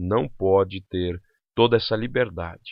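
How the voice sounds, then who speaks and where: In a German accent, the speaker talks at a very slow pace with ordinary pitch variation. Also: man. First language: German (speaking Portuguese). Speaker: pastor. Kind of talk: lecture.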